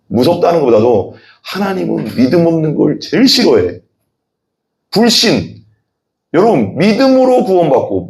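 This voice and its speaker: A man preaching an evening sermon as pastor, animated, asking the congregation questions and acting out voices in the quotes he tells. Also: mid-range voice. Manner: asks the congregation questions and has them repeat.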